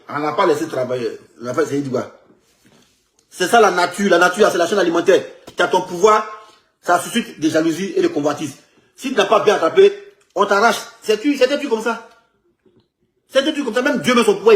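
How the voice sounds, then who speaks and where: An Ivorian man speaks in a fairly high voice, with clear room echo around him. He argues in a casual street style, hammering phrases again and again in a mocking, emphatic manner, like someone in a heated political rant. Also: slight background noise.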